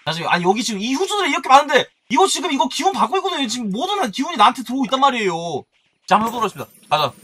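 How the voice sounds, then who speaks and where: A man doing excited commentary as a gaming YouTuber, shouting and groaning as he opens eggs, with mock-formal asides. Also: very high-pitched, racing, noisy background. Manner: animated, shouts and groans while opening eggs.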